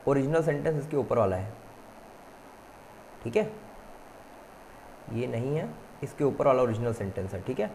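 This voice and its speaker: A mid-range, creaky, slightly mellow voice belongs to an animated male teacher reviewing an exam-prep question paper. He reads English questions slowly, explains rapidly in Hindi, and calls students "beta," with slight background noise present.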